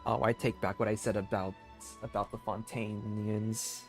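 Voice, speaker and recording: A man's voice: fairly low pitch, flat delivery, normal speed. A man giving casual, rambling live commentary as a game streamer, hesitant and often repeating phrases. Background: game music.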